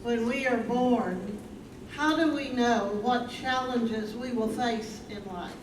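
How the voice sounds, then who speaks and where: A woman's voice: a little high, slow. A woman reading the part of a philosophizing chorus member in a staged play reading. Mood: solemn questioning. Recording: echoey room, distant, clearly noisy.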